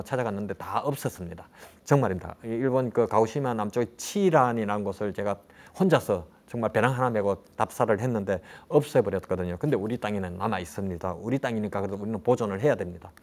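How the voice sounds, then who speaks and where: A man's voice: lowish voice, expressive, fast, a little mellow. Rambling male travel-history guide. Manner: rambling with frequent fillers and restarts, asks rhetorical questions. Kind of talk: conversational travel talk on history.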